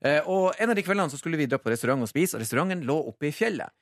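A man's voice: a little high, lively intonation, dry recording, clean studio sound. A man hosting morning radio, telling a story with lots of life and acting out sounds and his own thoughts. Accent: Norwegian. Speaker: radio show host.

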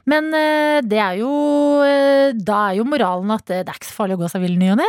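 A Norwegian woman co-hosting morning radio, reacting with quick jokes and chatty asides. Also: fairly high pitch, slight background noise. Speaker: radio co-host. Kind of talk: casual morning radio chat.

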